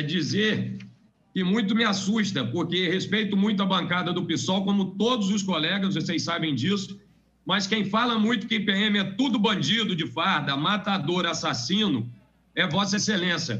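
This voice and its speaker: A male lawmaker delivering a formal speech on the chamber floor, pressing his points and repeating them for weight. His voice sits high and sounds bright and forceful. The broadcast audio is somewhat dull and lo-fi. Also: moderate pace. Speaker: state legislator. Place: legislative chamber.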